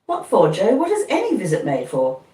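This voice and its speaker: An eager young apprentice, earnest and pleading as he makes his case, read aloud by a woman. The voice moves with lively pitch. It comes through roomy and a little distant. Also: fairly quick. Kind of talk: audiobook reading.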